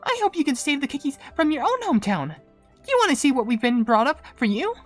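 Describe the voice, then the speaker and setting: Proud young game princess, high and animated, eager and boastful, music underneath. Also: female voice, fast talker. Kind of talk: video game voice acting.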